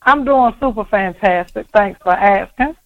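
A woman's voice: medium pitch, moderate pace, lo-fi sound. A woman comedian telling stories casually as an interview guest.

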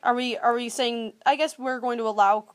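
A woman's voice: on the high side, fairly even intonation, a little fast. A woman co-hosting a podcast in casual chat, talking with wry, sarcastic asides. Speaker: podcast co-host.

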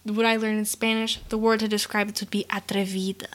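A woman's voice: medium pitch, level tone, fairly quick. A woman co-hosting a podcast in casual chat, teasing her co-host and prompting her with questions.

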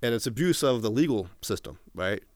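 A man's voice: medium pitch, lively intonation, brisk, darkish tone, no echo, studio quality. A man being interviewed, retelling a long story in a casual way, restarting often and quoting what others said. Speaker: interview guest.

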